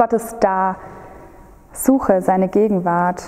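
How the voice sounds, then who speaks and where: This woman speaks with ordinary pitch variation. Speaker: preacher. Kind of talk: sermon. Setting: recorded video sermon.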